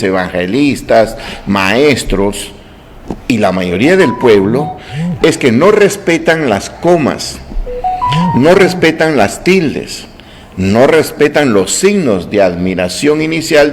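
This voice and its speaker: Man preaching a sermon, slow and deliberate, keeps asking the congregation questions, faint hiss behind. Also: medium pitch, creaky. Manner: didactic, quizzing the congregation with rhetorical questions; slow, deliberate emphasis on words.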